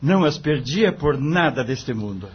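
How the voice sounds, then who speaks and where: A somewhat muffled recording carries a man acting a young, earnest lawyer in an audiobook drama. The mid-pitched voice is husky and lively, questioning politely like a student seeking guidance. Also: normal speed. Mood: wistful.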